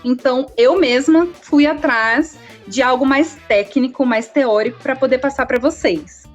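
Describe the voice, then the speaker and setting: A woman's voice: sits high, a little slow, soft background music. A young woman with a Brazilian Portuguese accent, a speech therapy student, explaining vocal care as a podcast guest in a didactic tone. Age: young adult.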